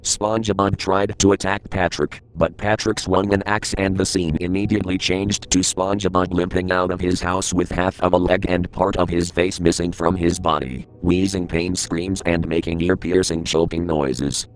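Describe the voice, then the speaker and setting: A man with a very low voice reads a creepypasta horror story aloud. He keeps a steady, grave tone throughout, letting the dark events land plainly. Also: normal speed, few pauses, a little hiss or hum. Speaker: narrator.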